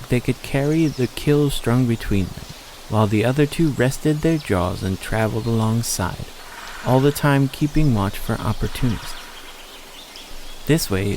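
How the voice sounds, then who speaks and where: A man's voice: mid-range voice, darkish tone, slight background noise, low-quality recording. Male story narrator over faint nature ambience.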